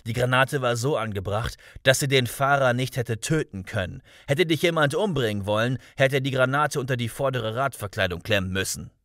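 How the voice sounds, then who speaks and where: A man reading the part of a calm male homicide chief explaining facts in an audiobook. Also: mid-range voice, fairly quick, hardly any pauses, no room sound, clean studio sound, lightly acted.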